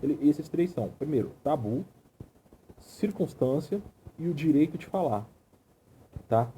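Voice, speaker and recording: A man's voice: on the high side, animated, unhurried, mellow, slight background noise. A man from Brazil teaching an informal video lesson, conversational and often checking in with the listener.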